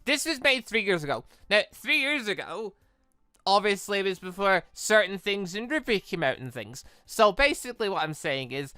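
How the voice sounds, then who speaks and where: A man's voice: high voice, very animated, normal speed, pushed and bright, clear, resonant tone, no room sound. A man giving casual let's-play commentary, rambling as he repeats and rephrases himself. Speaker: gaming video host.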